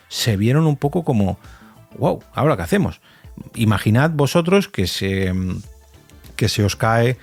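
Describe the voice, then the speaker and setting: A man's voice: lowish voice, darkish tone. A man from hosting a solo podcast in an informal, conversational, somewhat hesitant way that repeats words. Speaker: podcast host.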